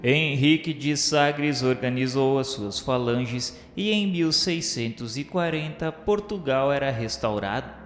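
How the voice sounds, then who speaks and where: A man's voice: mid-range voice, measured pace, hardly any pauses. A man reading formal, solemn scripted narration for a devotional radio drama. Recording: echoey reverb, faint music behind. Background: soft music.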